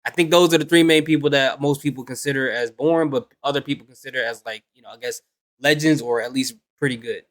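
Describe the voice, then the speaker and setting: A man's voice: mid-range voice, a bit bright. Laughing, joking reaction host man. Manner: laughs a lot, quick joking asides. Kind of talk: casual reaction commentary.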